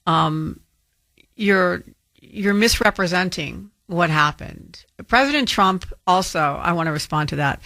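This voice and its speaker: A woman's voice: fairly low pitch, a bit bright, dry recording. Dry-voiced, argumentative female radio host. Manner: firm and argumentative, with frequent ums. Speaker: fill-in talk radio host. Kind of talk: talk radio commentary rebutting a caller.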